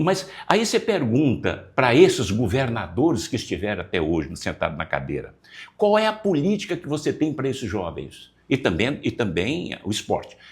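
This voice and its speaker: A man speaks with vocal fry and very wide pitch swings on a very clean recording with a silent background. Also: medium pitch for a man, moderate pace, hardly any pauses. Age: 60s. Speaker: politician. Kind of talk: interview. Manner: animated.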